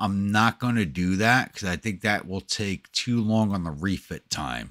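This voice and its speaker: A man with a New York accent speaks at a moderate pace in a bright, sharp tone. The sound is dry and close, with no echo. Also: very clean recording, silent background. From New York City. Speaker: gaming streamer. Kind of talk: casual livestream chat.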